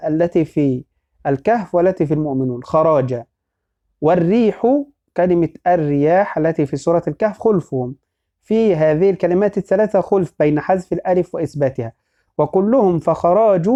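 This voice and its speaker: A man teaching a recorded religious lesson, explaining patiently, repeating phrases and quizzing listeners, and slowly chanting verse and poem lines. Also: a little high, warm tone. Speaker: teacher of Quran orthography. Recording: dull lo-fi audio.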